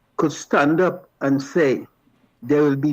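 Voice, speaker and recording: A man with an American accent speaks at a very slow pace, his pitch fairly high. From Saint Lucia. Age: 80s+. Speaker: caller. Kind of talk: radio call-in. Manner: halting, repeats words.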